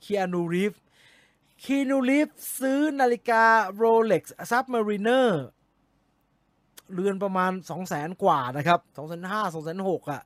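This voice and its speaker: A man hosting a casual movie news recap, chatty and given to sudden excited exclamations. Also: high-pitched, slow, no room sound. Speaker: movie news show host.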